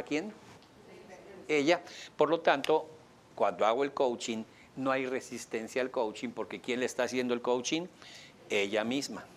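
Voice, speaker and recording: A man lecturing a coaching workshop, asking the audience questions and acting out a client's lines in a higher voice. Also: slight background noise. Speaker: coaching instructor.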